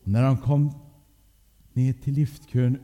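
A man telling a family story to listeners in a lively, animated way. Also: mid-range voice. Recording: long hall reverb.

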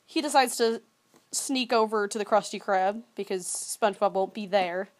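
A woman's voice: medium pitch, moderate pace. Wry chatty woman podcast co-host. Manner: chatty, wry, sarcastic asides. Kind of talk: casual chat.

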